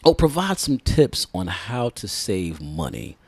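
A man's voice: lowish voice, sing-song, measured pace, a little mellow, no echo. A man hosting a podcast, a little congested, trading playful slangy banter in casual chat. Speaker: podcast host.

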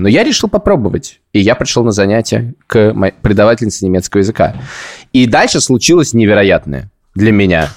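Man telling rambling self-ironic stories. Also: lowish voice. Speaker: podcast host. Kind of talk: casual podcast chat.

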